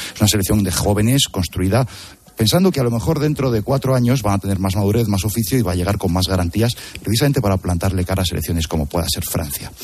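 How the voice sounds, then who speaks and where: Lively intonation and very even loudness mark this very fast delivery, heard over noticeable background noise. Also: man, fairly low pitch for a man. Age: 30s. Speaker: journalist, commentator. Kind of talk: radio panel discussion.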